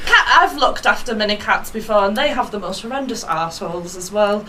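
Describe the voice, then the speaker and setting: A woman guest on a comedy podcast, chatty and giggly, quick to agree. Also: medium pitch, pushed and bright, a little hiss or hum, rough recording. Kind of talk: casual comedy chat.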